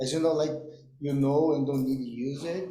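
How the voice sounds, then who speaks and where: A man with a fairly high pitch, a somewhat breathy and dark, mellow tone, a Brazilian Portuguese accent, a moderate pace, and audible room echo. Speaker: martial arts gym owner, applicant. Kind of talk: public testimony. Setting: city planning commission meeting. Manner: halting.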